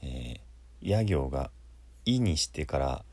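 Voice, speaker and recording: A man with a very deep, dark voice teaches pronunciation at an unhurried pace. He sounds out each syllable several times over, pausing often between phrases, in a mellow, relaxed delivery. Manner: demonstrates sounds by repeating syllables, unhurried with frequent pauses. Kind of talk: spoken pronunciation lesson.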